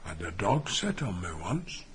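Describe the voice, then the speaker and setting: An older man acting a meek, homeless old man with a learning disability in a radio play, speaking in halting, plain phrases. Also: on the low side, sing-song, a bit bright, slight background noise. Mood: bleak, reflective.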